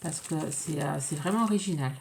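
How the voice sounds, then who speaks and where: A French woman with a cold, chatting casually and hesitantly as she opens a mail package, with many pauses and fillers. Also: deep voice, vocal fry, a little hiss or hum. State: congested with a cold. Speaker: scrapbooking vlogger. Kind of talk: casual unboxing chat.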